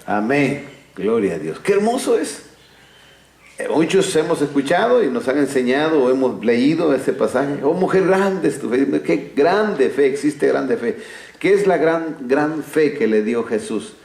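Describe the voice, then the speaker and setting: High-voiced preacher in an echoey hall. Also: male voice, lively intonation, measured pace, vocal fry, a little mellow. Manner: emphatic, full of rhetorical questions to the congregation. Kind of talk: sermon. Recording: echoey church room.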